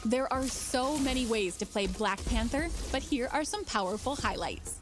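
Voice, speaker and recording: A woman reading scripted promotional narration for a game trailer, smooth and upbeat. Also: a little high, expressive, normal speed. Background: trailer music.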